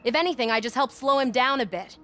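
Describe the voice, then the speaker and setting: Sly Black Cat, cool and teasing. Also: female voice, high-pitched, fast talker, fairly bright tone, faint music behind. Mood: smug, teasing. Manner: teasing, cool, self-assured. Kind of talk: cinematic game voice acting.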